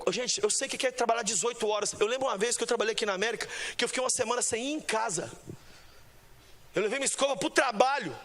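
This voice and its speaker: High-voiced, bright Brazilian pastor preaching. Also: male voice. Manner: storytelling with big swings in pitch, mimicking voices. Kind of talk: sermon.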